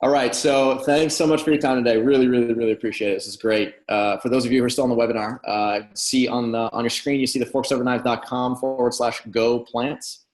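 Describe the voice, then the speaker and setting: A man's voice: medium pitch, steady tone, fast talker, hardly any pauses, darkish tone. A man hosting a webinar interview, agreeable and upbeat, wrapping up with a promotion. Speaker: webinar host. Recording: echoey room.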